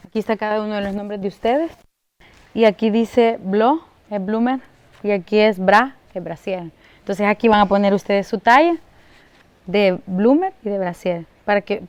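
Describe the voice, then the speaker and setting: A woman with a Salvadoran accent, an advocate for a women's collective, explaining things to a group with many fillers and pauses. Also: mid-range voice, darkish tone, no room sound, muffled recording. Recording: noisy on-location recording.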